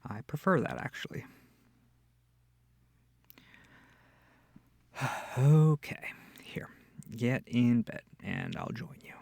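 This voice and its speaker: A man playing a kind, comforting incubus demon in an intimate ASMR roleplay, speaking softly and tenderly with hesitant, breathy reassurance. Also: medium pitch, animated, unhurried. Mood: gently obliging. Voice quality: breathy, often near whispering. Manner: soft, tender, hesitant, soothing. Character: gentle, comforting, shy-sweet male incubus demon.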